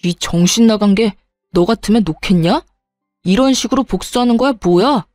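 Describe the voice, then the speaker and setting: Brief: a woman playing a defensive young fiancé, mellow dragging delivery, dry and close. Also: mid-range voice, moderate pace, no echo, soft background music, natural voice. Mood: furious. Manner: sulky, dismissive, sneering.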